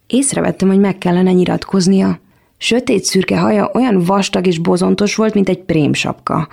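Brief: woman narrator, gravelly texture, mid pitch, calm measured literary reading. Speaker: reader.

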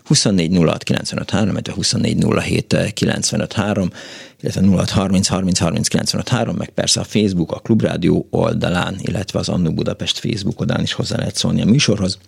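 Gravelly deep-voiced male radio host. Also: steady tone, dry recording, clean studio sound. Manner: rambling, many hesitations. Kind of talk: call-in radio show.

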